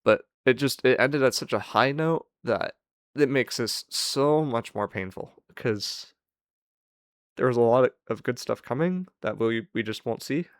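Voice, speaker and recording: A man's voice: mid-range voice, a little slow, dry recording, clean studio sound. A man giving a casual, unscripted farewell commentary on a video game, speaking in a downcast, wistful, resigned way. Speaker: gaming channel streamer.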